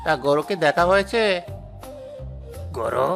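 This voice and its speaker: A man's voice: fairly high pitch, lively intonation, slow pace, gravelly, music in the background, heavily acted. An actor playing a boastful, show-off wealthy village man in a cartoon, speaking in a brash, domineering way. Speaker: rich villager. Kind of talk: cartoon voice acting.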